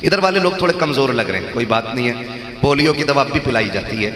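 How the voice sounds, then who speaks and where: A man preaches to a live crowd, teasing them and leading call-and-response slogans. His voice is bright and cutting, and it rings through a big echoey hall over a PA. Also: mid-range voice, animated, fast. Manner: banters with the crowd and calls out slogans for them to answer. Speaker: religious speaker. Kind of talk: sermon to a live gathering.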